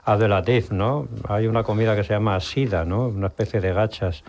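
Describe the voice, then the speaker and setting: A man co-hosting a radio program in a relaxed, conversational way. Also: lowish voice, fairly quick. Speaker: radio co-host. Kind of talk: radio chat. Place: radio studio.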